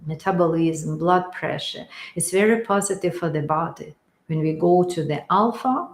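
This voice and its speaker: A woman spiritual teacher gives a guided meditation talk in a room in her house, her low-leaning voice slow and gravelly. She stays calm, pausing often with fillers, and the audio is echoey, recorded on a webcam or phone camera.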